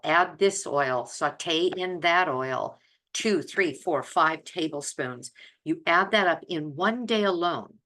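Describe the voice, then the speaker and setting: Woman, seventies, low pitch, bright forceful tone, conversational presenter, informal, emphatic repetition. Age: 70s. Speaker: plant-based diet presenter and group leader. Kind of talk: chatty informal talk to online viewers.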